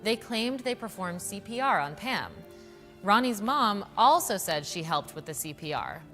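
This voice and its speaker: A woman's voice: mid-range voice, very animated, moderate pace, pushed and bright, long reverb tail. A woman hosting and narrating a scripted true crime documentary in a conversational way, with emphatic asides. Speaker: true crime show host. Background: background music.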